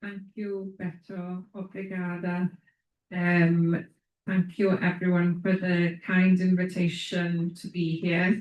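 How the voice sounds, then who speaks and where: A woman talks at a very slow pace in a Welsh accent, her medium-pitched voice held to a monotone, flat intonation. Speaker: academic. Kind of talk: academic talk.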